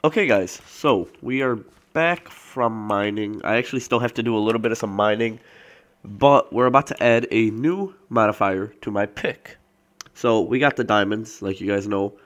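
A young man with a low-ish voice and a thick, stuffy nose from a cold. He chats loosely over his gameplay, full of fillers and self-corrections, speaking into a desk mic at his computer. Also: normal speed, a bit bright. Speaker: let's play host. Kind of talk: casual gameplay commentary.

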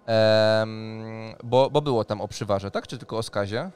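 A man's voice: lowish voice, unhurried, darkish tone, smooth, soft background music. A man in his thirties narrating as game master and giving rulings in a tabletop role-playing session. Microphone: studio mic on a boom arm, close.

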